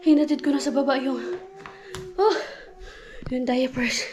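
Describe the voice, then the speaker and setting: A woman's voice: high-pitched, steady tone, unhurried, a little mellow, slight background noise. A woman from the Philippines chatting casually in a home vlog, switching to a sing-song voice when talking to her toddler. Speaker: vlogger mom.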